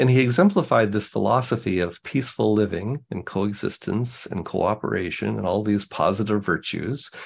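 This man's voice sits fairly low, with vocal fry and ordinary pitch variation, moving at a moderate pace with hardly any pauses. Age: 60s. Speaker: sangha practice leader. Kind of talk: casual group chat. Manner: halting, many fillers.

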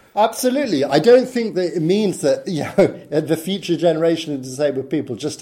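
With a British accent, a man speaks fairly quickly in a fairly high pitch and a dark, mellow tone, his pitch swinging very widely. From Britain. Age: 50s. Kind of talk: interview.

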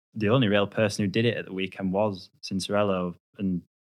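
A man with an English accent speaks in a fairly low pitch with monotone, flat intonation against a quiet background. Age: 20s. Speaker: motocross rider. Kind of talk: casual chat.

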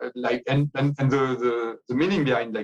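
In a French accent, a man speaks very fast with a fairly high pitch. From France. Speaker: app co-founder and product officer. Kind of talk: casual interview chat.

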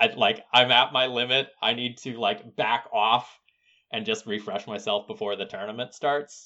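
An ordinary speaking voice from a man, medium in pitch, moderate in pace, with fairly even intonation. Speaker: podcast host and editor. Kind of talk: casual chat.

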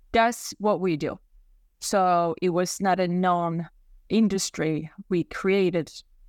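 On a very clean recording with a silent background, a woman with a Swedish accent speaks at a very slow pace and medium pitch with fairly even intonation. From Sweden. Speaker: author and building cost auditor. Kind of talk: interview.

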